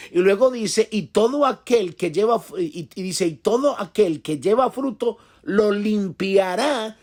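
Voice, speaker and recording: A male pastor gives an earnest devotional sermon in a somewhat high voice. He repeats himself and restarts his sentences often as he works through his points. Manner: earnest, repetitive, with frequent restarts.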